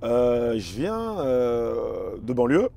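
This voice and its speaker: A man's voice: medium pitch, big pitch swings, very slow, creaky, dark tone. A man, talking casually and reflectively as an interview guest, often repeating words as he searches for phrasing. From Paris suburbs, France. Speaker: interview guest, chess teacher and performer.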